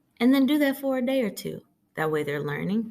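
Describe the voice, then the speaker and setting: A woman is speaking. Her pitch swings very widely. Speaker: teacher. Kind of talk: tutorial. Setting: school building. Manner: projected teacher voice.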